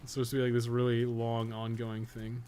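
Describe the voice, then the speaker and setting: A man's voice: mid-range voice, monotone, a little fast, warm tone, slight background noise. A man chatting casually on a live game stream, rambling, thinking aloud and swearing freely.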